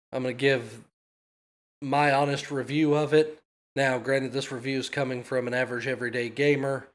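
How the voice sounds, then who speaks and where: A man in his thirties, nasal from a cold, giving a blunt, profane opinion of a video game. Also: mid-range voice. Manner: blunt, swears often, dismissive of complainers. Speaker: gaming YouTuber. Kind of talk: casual opinion rant.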